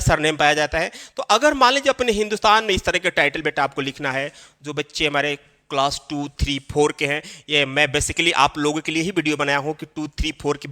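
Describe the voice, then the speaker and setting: A man with a high, very animated voice teaches a spelling lesson to small children. He talks slowly, repeats each step and speaks to the children directly. His bright voice rings with a long reverb. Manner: explains slowly and repeats himself, addressing children. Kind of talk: classroom-style spelling lesson.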